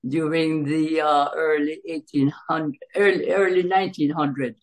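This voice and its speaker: An older woman from Jamaica recounting her family history in an interview, hesitantly, with long pauses, on a video call from a room at home. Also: low-pitched, fairly even intonation. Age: older, around 70s. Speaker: interview guest, author. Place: small bright room at home, indoors. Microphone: computer mic on a video call.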